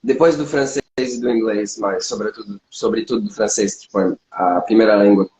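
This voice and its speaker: A man's voice: lowish voice, normal speed, a little mellow. A man who speaks Portuguese as a learned language, chatting casually as a co-host and often restarting his sentences. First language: not Portuguese. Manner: hesitant, many restarts and fillers. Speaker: co-host, polyglot. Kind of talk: casual chat. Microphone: livestream recording. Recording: roomy echo, faint noise.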